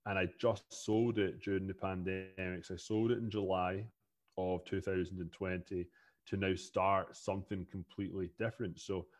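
A man with a Scottish accent talks as a guest on a podcast, his voice sitting fairly low. He is in his thirties and chats freely, often repeating a word before his sentence gets going. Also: little pitch movement, moderate pace. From Scotland. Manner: chatty, repeats words when starting sentences. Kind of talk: casual interview chat.

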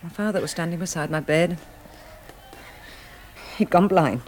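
A woman's voice: on the low side, a little slow, a little mellow, soft background music, close to an everyday voice. An actress playing a shaken, polite, well-bred young woman with an English accent in a 1960s radio drama, speaking hesitantly. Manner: hesitant, breathless restarts, polite. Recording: old radio recording, faint noise.

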